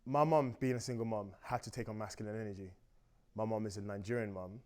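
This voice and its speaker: Young man, native German speaker, low voice, rapid rambling talk, reflective. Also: steady tone. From Austria. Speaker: dating show guest. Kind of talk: casual dating conversation.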